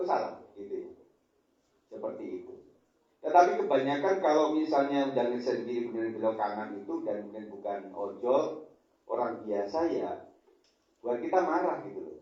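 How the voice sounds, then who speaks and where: A man preaching a sermon with an Indonesian accent, telling lively stories and acting out prayers in a hushed voice. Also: mid-range voice. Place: large church hall. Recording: distant, echoey church hall, dull sound.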